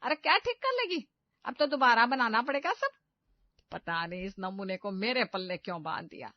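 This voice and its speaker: A woman voicing a strict, shouting middle-aged mother-in-law who scolds loudly and sharply in a cartoon. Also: a little high, steady tone, a little fast, no echo, lightly acted. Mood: scolding. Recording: dull lo-fi dry recording.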